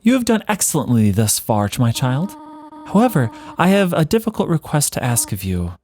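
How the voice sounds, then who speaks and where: A man voicing a gentle, motherly female monster caretaker from a game, doting and formal in manner. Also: mid-range voice, big pitch swings, normal speed, lightly acted. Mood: caring. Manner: formal, careful, reassuring phrasing. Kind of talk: game dialogue read-along.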